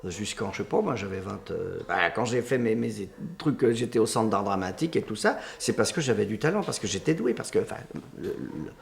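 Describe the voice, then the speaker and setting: A man's voice: on the low side, very animated, a little fast, creaky. A man interviewed in a clip, talking emphatically and repeating himself. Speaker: actor interviewed.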